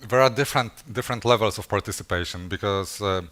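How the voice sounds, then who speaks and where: A man's voice: lowish voice, quick pace, a bit bright. A man speaking at a conference, answering audience questions in a hesitant way with many fillers and restarts. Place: conference session room.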